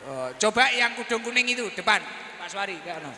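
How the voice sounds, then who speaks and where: A man, a preacher chatting with his audience and teasing them with quick questions on a handheld mic. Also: high-pitched, lively intonation, bright, forceful tone. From East Java, Indonesia. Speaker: preacher hosting a gathering. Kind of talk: casual chat with audience members. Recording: roomy hall reverb with faint noise.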